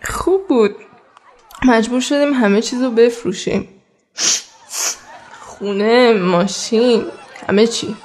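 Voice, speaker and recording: A woman's voice: fairly high pitch, long pauses, darkish tone, natural voice. An actress playing a joking young woman who is upset, in a radio drama. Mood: sad. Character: Samaneh, young woman, joking, upset over family ruin.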